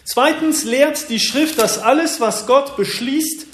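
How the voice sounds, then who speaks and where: A man preaching a Bible-teaching sermon, explaining verses slowly and deliberately with occasional hesitations. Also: very high voice, a bit bright, roomy sound. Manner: slow, deliberate expository delivery with some hesitations.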